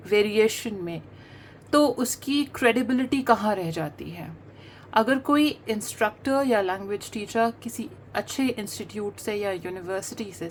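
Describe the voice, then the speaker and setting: A middle-aged woman whose mother tongue is Hindi-Urdu, explaining accent and pronunciation in an earnest way, pausing often and mixing in English phrases. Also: mid-range voice, a little hiss or hum. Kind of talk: talking-head monologue on language teaching.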